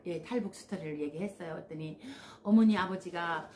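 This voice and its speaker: A woman's voice: on the low side, brisk, darkish tone, a little hiss or hum. A woman from Korea, telling a personal story on her own channel. She talks animatedly, acts out the voices of people she quotes, and often slips in "yes" and "uh" as fillers. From North Korea. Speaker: channel host.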